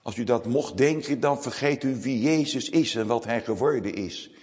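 A man preaching a sermon to his congregation, slow and solemn, with dramatic pauses. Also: medium pitch, a little mellow. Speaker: pastor. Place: church. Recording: long reverb of a church hall.

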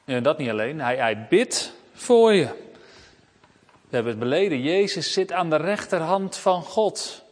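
A man preaches a sermon, his voice a little higher than most. He speaks in a lively way and often turns straight to the children in the pews. A long church reverb trails after each phrase. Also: unhurried. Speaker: pastor.

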